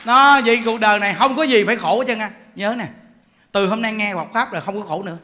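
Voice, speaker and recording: This Dharma talk comes from a forty-something monk with a Southern Vietnamese accent who keeps it humorous and chatty, often laughing and throwing out rhetorical questions. He speaks fast in a high, pushed, bright voice.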